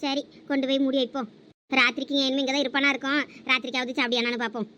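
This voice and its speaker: A woman's voice: high voice, level tone, racing, pushed and bright, a little hiss or hum. A woman with a Thoothukudi Tamil accent playing a doting middle-aged village mother who fusses over her family. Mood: musing. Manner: homely, fussing.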